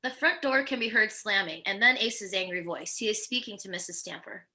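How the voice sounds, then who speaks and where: Woman narrator, bright clear-cut tone, medium pitch, reading screenplay stage directions. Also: fairly quick. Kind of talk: scripted narration at a virtual table read.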